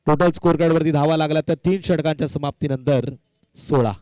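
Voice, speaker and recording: Clear, higher-voiced man commentating cricket. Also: fairly even intonation, quick pace, dark tone, no echo. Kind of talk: live local tournament cricket commentary with announcements.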